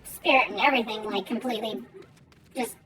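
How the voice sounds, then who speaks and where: High, bright woman with soft, W-like R's. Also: brisk. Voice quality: imperfectly pronounced R's, softened toward W. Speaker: game streamer. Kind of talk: casual gameplay commentary, chatting with viewers. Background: faint music.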